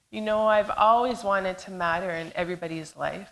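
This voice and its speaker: A woman speaks at a moderate pace. She has a Canadian accent. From western Canada (Vancouver Island, BC). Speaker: storytelling event speaker. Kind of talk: personal testimony. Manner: loud.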